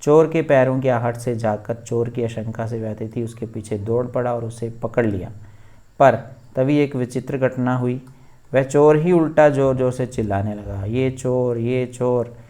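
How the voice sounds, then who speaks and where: A man's voice: mid-range voice, normal speed, mellow. A man teaching a textbook lesson, reading and explaining each line word by word.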